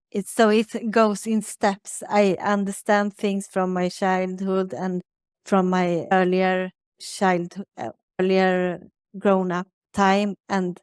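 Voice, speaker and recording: A Swedish woman in her thirties, a native Swedish speaker, talks haltingly in English as an interview guest, searching for words. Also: fairly low pitch, a little mellow, clean tone, no echo, studio quality. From Sweden. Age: 30s. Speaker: guest, spiritual advisor. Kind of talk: conversational interview.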